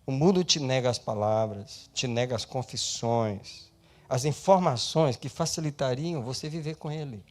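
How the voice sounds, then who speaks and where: A male pastor preaching an animated sermon, swinging between loud and soft and slipping English words into his speech. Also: medium pitch, moderate pace.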